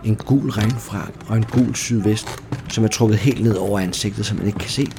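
A man running a tabletop horror game as game master, describing scenes in a measured, suspenseful way. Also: fairly low pitch. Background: background music.

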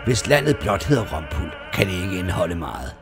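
A man's voice: sits low, big pitch swings. Ludo, a man playing a hot-tempered ruler. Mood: haughty. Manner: haughty, quick to shout. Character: proud greedy male ruler, hot-tempered. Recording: music playing underneath.

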